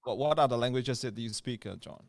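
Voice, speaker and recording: A man's voice: medium pitch, brisk, creaky, a crowd in the background. A man hosting an online event on a video call, thanking his guest and asking questions with some hesitation. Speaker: host.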